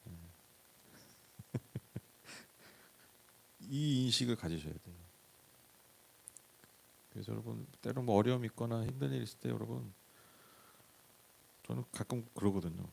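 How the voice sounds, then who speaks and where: A male pastor giving a conversational Bible-study sermon, swinging from loud emphatic lines to soft hushed ones, with chuckles and frank asides. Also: medium pitch, measured pace, creaky, long pauses, breathy edge. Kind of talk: Wednesday Bible exposition sermon. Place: church.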